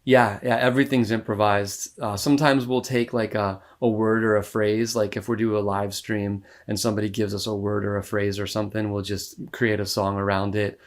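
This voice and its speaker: A man in his thirties with an American accent, chatting casually as a podcast guest, relaxed and rambling, with many fillers and frequent laughs. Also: fairly low pitch, a little fast, few pauses. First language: English. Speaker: musician guest. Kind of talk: casual interview talk.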